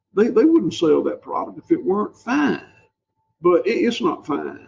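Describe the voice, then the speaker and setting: This man has an extremely high pitch and a Southern US accent. His pitch swings very widely at a moderate pace. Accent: Southern US (Georgia). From US South, southwest Georgia. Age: 60s. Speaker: farmer. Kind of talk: interview.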